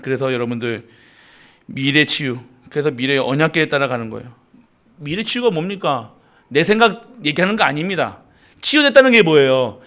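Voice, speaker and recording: Pastor guy w preaching, voice jumps way up and down, pretty high. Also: brisk. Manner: animated, swings between loud emphasis and low asides, asks the congregation questions. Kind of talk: sermon.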